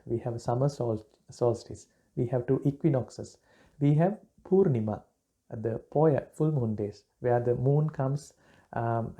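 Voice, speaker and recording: Sri monk man giving a dharma talk, mid pitch, super mellow voice, halting and full of uhs. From Sri Lanka. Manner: halting, many fillers and restarts.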